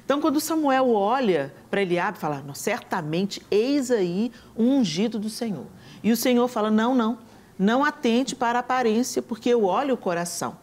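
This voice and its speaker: Mulher brasileira, convidada de programa, tom de pregação, conta histórias com animação. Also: female voice, a little high, normal speed. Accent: Brazilian Portuguese. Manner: earnest, quotes scripture, animated storytelling. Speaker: talk show guest. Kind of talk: conversational preaching.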